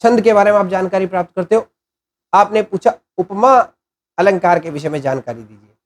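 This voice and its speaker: A man hosting an informal spoken lesson, explaining deliberately and answering his own rhetorical questions. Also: high-pitched. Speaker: channel host explaining content writing.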